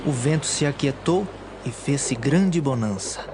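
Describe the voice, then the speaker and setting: A man giving measured, formal narration for a dramatized audio Bible. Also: mid-range voice, expressive, noisy background. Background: music.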